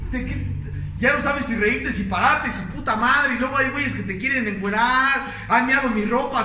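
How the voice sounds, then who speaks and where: A Mexican man giving a crude, joking group testimony at a recovery meeting, profane and rambling, often laughing and speaking straight to his listeners. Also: extremely high pitch. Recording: echoey room, mic far off, faint noise.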